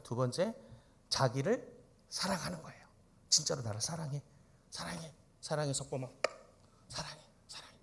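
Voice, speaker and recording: Man, pastor, sermon, emphatic, rhetorical questions, higher-pitched voice. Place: church.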